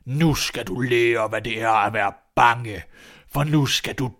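A man voicing a huge, ancient white-bearded man in a storybook reading, threatening in slow, heavy words. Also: medium pitch, fairly bright tone, close to an everyday voice. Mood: menacing.

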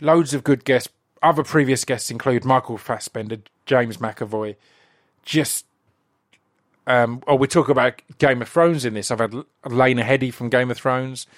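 A man's voice: mid-range voice, steady tone, normal speed, no room sound, clean studio sound. A man hosting a podcast, giving a casual, rambling introduction full of restarts and asides. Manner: rambling, chatty, self-interrupting with restarts. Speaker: podcast host.

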